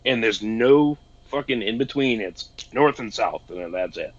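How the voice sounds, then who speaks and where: A man's voice: on the low side, lively intonation, normal speed, muffled recording. A man from Boston chatting casually on a podcast, swearing freely and laughing easily. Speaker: podcast co-host. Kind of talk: casual chat.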